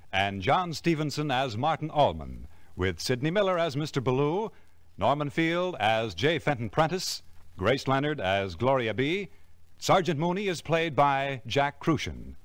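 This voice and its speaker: Male American network radio announcer, 1950s style, very animated pitch, polished scripted read, dry close sound. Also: no echo. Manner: polished, emphatic.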